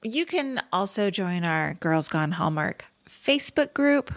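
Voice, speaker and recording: A woman co-hosting a casual podcast, chatty and expressive, often tossing out questions. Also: mid-range voice, unhurried. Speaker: podcast co-host. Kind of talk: casual chat.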